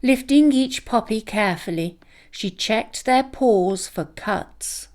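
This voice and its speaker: A woman reading a scripted children's story aloud as a dramatic, expressive storyteller. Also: fairly high pitch, slow pace.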